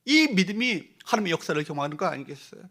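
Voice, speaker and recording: A man's voice: high voice, very animated, racing, bright, forceful tone. A male pastor preaching a Sunday sermon in a church, emphatic and full of rhetorical questions to the congregation. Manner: leads congregation in reading verses aloud. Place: church sanctuary.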